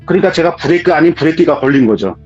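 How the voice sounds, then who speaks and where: A man with a husky voice, telling a true ghost story in a vivid, dramatic way as a guest in casual spoken storytelling. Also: on the high side, lively intonation, very fast, a little mellow. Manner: vivid, dramatic retelling of events. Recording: dull lo-fi sound with faint music.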